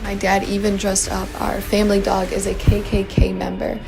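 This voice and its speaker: A woman's voice: mid-range voice, completely flat delivery, normal speed, vocal fry, music in the background. A woman earnestly testifying about her father's actions, speaking in short accusing bursts. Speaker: witness describing her father. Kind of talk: testimony in an interview.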